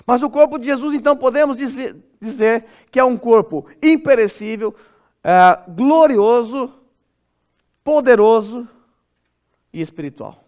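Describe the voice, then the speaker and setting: A pastor with a Brazilian Portuguese accent preaches an expository sermon in church at a slightly slow pace. He is expressive, and his voice turns soft and low whenever he acts out a parent talking.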